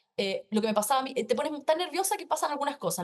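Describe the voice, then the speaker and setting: A woman speaks with a high pitch for a woman. Her pitch swings very widely. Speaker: communication coach. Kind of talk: interview.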